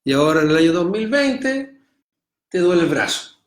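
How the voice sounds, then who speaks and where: A man's voice: a little high, big pitch swings, moderate pace. A middle-aged man with a Chilean Spanish accent teaching an online Torah class, reading Hebrew text aloud and translating it line by line, often checking in with his students.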